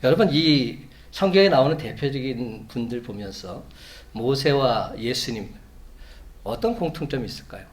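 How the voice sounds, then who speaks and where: A man preaching a Sunday sermon as a pastor, measured, building to emphatic peaks. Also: medium pitch, lively intonation. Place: church sanctuary.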